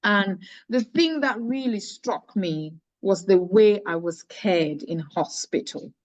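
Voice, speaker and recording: A woman's voice: mid-range voice, lively intonation, takes it slowly, dry recording, low-quality recording. A middle-aged woman from Cameroon, a charity founder earnestly telling her personal story in an interview, often restarting her phrases.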